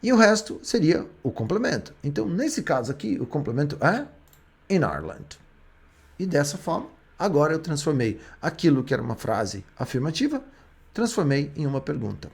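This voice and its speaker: A man's voice: fairly high pitch, big pitch swings, moderate pace, vocal fry, breathy edge. A Brazilian man, a native Portuguese speaker, explaining English grammar step by step as a teacher. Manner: explains step by step, with frequent restarts.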